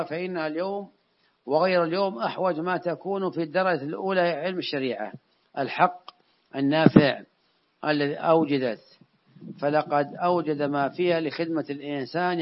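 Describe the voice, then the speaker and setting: A man delivers a formal religious sermon in a solemn, oratorical way. His voice sits a little higher than most men's. The recording is dull and lo-fi, with limited detail. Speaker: preacher. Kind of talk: formal sermon in classical Arabic, reciting scripture quotations.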